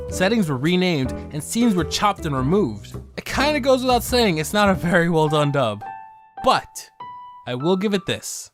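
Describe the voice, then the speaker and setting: A young man hosting a comedic review video, sarcastic with jokey asides. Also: fairly high pitch. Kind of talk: comedic narration.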